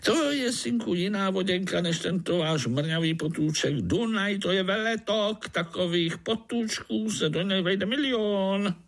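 A man's voice: high-pitched, hardly any pauses, voice pushed up. A man voicing a boastful, bloodthirsty, jovial male mosquito with a Slovak accent, who keeps calling the listener sonny. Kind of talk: storybook reading.

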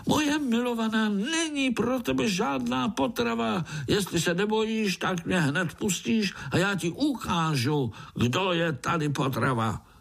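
A man's voice: gravelly, hardly any pauses, fairly bright tone, heavily acted. A man voicing a hotheaded little male fly who wheezes and hurls insults at a spider. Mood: defiant angry. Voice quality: wheezy, squeaky high voice.

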